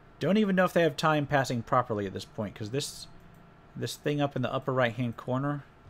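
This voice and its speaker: Lively intonation marks this speech in an American accent. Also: man. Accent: Texan, sometimes heavier. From Texas. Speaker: gaming video creator. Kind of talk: live gameplay commentary; reading game text aloud. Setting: live stream. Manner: casual, rambling with fillers.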